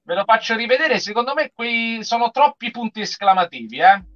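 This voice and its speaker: A man's voice: very high voice, lively intonation, fairly quick, a loud crowd. A middle-aged man hosting a casual watch-along on a video call, chatting and joking. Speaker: host of a group livestream. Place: room at home. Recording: dull compressed stream, music behind.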